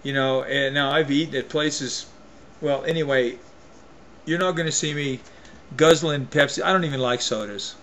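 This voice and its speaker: A man's voice: medium pitch, moderate pace, a bit bright, slight background noise. A man delivering an opinion rant to camera as a vlogger, emphatic and folksy, often restarting and repeating his phrases.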